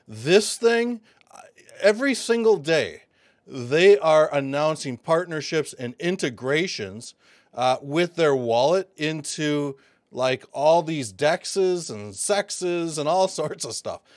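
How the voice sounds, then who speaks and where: Excitable man hosting crypto commentary. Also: on the high side, slow pace, no echo, clean studio sound. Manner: excitable, talks to viewers as folks, many fillers. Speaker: crypto video host. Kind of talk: casual commentary.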